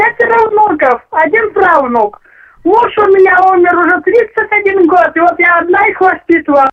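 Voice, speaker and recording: Her voice is extremely high, with ordinary pitch variation and very even loudness. The woman speaks at a fairly slow pace. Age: 70s. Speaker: caller, retired grandmother. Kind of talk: call-in testimony. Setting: phone call.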